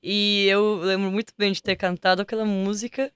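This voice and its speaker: A woman chats in a studio interview. Her voice is smooth and resonant, and the sound is close and dry. She talks casually and keeps restarting as she reaches for the right word. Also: mid-range voice, level tone, normal speed, a bit bright, no room sound. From Italy. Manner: chatty, searches for words with many restarts. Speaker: guest singer. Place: music studio.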